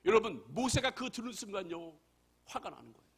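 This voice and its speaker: High, lively-voiced male pastor preaching. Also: brisk, gravelly, breathy edge. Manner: emphatic preaching with rhetorical questions to the congregation. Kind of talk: sermon.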